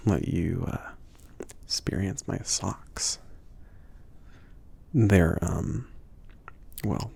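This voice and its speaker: A man playing a bashful, indulgent mage shopkeeper in an intimate ASMR roleplay, speaking in a breathy, gravelly half-whisper with a hesitant, gently teasing, rambling manner. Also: low-pitched, exaggerated voice. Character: soft-spoken, bashful, easygoing male mage shopkeeper, indulgent.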